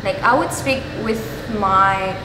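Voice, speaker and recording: A woman's voice: mid-range voice, slow. Young indonesian woman hosting a chat, laughs a lot, stretches words, echoey room w/ noise. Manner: animated, laughs often, stretches key words. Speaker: host. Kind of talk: casual chat.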